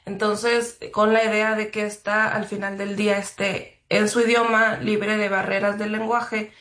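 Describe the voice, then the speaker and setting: A woman from Ecuador, a journalist, answering interview questions in a thoughtful, measured way with frequent fillers and restarts. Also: medium pitch, little pitch movement, fairly bright tone. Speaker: journalist guest. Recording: roomy echo.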